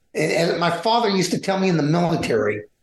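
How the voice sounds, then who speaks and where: Amid audible room echo, a man talks very fast in a high pitch. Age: 60s. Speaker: author and attorney. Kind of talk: interview.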